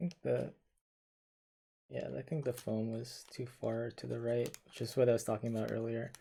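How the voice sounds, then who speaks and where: The man's voice has a dark, mellow tone and is somewhat breathy. He uses ordinary pitch variation and leaves long, frequent pauses. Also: medium pitch for a man, moderate pace. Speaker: game console modder and streamer. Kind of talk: live tutorial stream.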